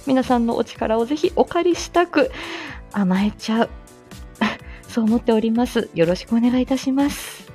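A woman's voice: a little high, darkish tone. A woman hosting a casual morning live stream, chatting with many fillers and frequent laughs over faint background music.

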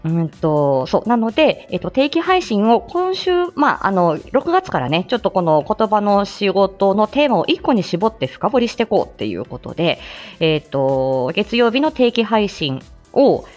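A woman hosting a casual solo live stream, chatting in a relaxed way, filling pauses with small hesitations, laughing lightly, and greeting listeners by name. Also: medium pitch, faint music behind.

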